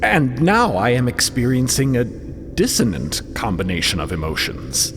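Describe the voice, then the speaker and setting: A man's voice: mid-range voice, very animated, normal speed, over music. An actor playing an earnest, literal-minded man new to emotions in an audio drama, with stiff, formal phrasing. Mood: earnest, uneasy.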